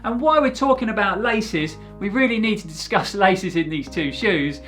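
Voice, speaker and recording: A man hosting his own channel, giving a steady, conversational product review of running shoes to camera. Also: high-pitched, normal speed, soft background music.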